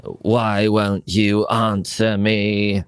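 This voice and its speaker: A British man voicing a greedy, hot-tempered male trickster spider in a folk tale, with drawn-out, exclamatory pleas and demands. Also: fairly low pitch, monotone, clear, resonant tone, dry recording, clean studio sound. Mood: angry.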